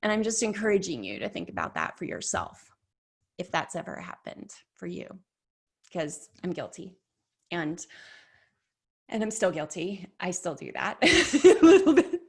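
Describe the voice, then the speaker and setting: A woman's voice: fairly low pitch, very animated, measured pace, pauses often, a little mellow, breathy edge. A woman leading a workshop in a chatty, conversational storytelling manner, often saying "like" and correcting herself mid-sentence. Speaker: workshop leader.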